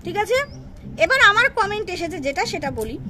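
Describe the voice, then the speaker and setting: A woman's voice: extremely high pitch, lively intonation, brisk, pushed and bright, a little hiss or hum. A woman giving unscripted roast commentary, confrontational and scolding, repeating herself and firing rhetorical questions. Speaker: YouTube commentary creator.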